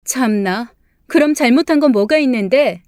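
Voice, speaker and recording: A woman's voice: high-pitched, expressive, normal speed, darkish tone, clean tone, dry recording, studio quality. A woman voicing an indulgent young mother who defends her child with indignant retorts, in a read-aloud story with acted dialogue.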